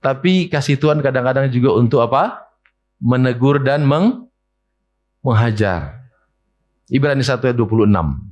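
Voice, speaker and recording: A man, preaching a sermon in a church, often asking the congregation questions and mimicking complaints in a higher voice. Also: expressive, normal speed, long pauses, a little mellow, dull audio. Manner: mimics whiny complaints in a high voice. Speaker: pastor. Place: church hall.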